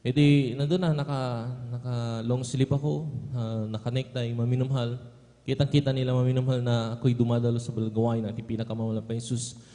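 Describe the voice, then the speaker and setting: A man's voice: mid-range voice, flat delivery, brisk, warm tone. Earnest young Filipino man testifying in a hall. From Philippines. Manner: earnest, repeats "beloved" after every phrase. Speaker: church member giving testimony. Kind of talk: spoken testimony at a prayer service. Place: church hall. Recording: long reverb of a church hall.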